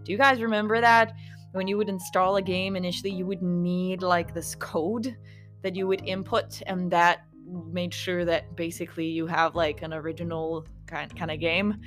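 Over soft background music, a Kosovar podcast host in her thirties delivers a chatty, rambling reflective monologue peppered with asides to listeners. Her English carries an American influence, and her lowish voice stays level at a normal speed.

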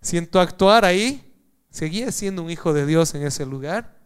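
Male preacher, high clear voice, animated sermon delivery with jokes and loud-to-soft swings. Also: normal speed.

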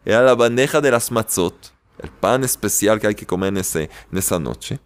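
A man telling a religious folk tale to listeners in a lively, animated way. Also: lowish voice, moderate pace, clear, resonant tone. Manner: lively, animated, laughs at his own tale. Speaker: storyteller.

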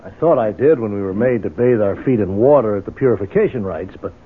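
Brash American private eye, husky edge, slangy and assertive, heard on a thin, narrow-band old radio recording. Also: male voice, lowish voice, animated, fast. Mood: urgent, confident. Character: brash, blunt male private investigator and Vietnam veteran. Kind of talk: 1970s American radio drama acting.

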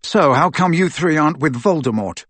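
A man's voice: fairly high pitch, animated, normal speed, a bit bright, no room sound. Man playing a defiant, taunting teenage boy hero. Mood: mock casual. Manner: taunting, dry sarcasm. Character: bold, defiant, quick-witted teenage boy wizard hero.

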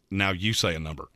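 Thirties male sports radio host, argumentative, bright and animated. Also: sits low, creaky. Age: 30s. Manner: emphatic, argumentative.

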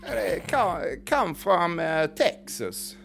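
A gun-loving Texan who drawls and brags in halting English, put on by a man. His pace is slow and lazy, with fillers, for a comic sketch. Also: on the high side, wildly swooping pitch, soft background music. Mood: boastful.

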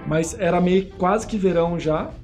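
Animated Brazilian man telling a story. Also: high-pitched, moderate pace, soft background music. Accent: Brazilian Portuguese. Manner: animated, acts out voices in his stories. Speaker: missionary guest. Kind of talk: casual storytelling.

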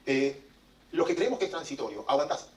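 A man's voice: medium pitch, expressive, fairly quick, slight background noise. A man with an Argentine accent giving an economics talk to an audience, emphatic and joking, recorded at a distance in an echoey room. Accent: Argentine Spanish. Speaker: economic speaker. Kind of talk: lecture to an audience.

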